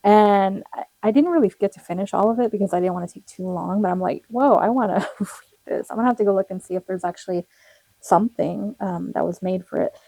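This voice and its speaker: Casual tarot reader, young woman, rambling and friendly, voice going hoarse. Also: mid-range voice, fast talker, dark tone, no echo, poor audio. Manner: chatty, rambling, with frequent fillers and little laughs. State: losing her voice, slightly cracking. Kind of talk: casual tarot reading to viewers.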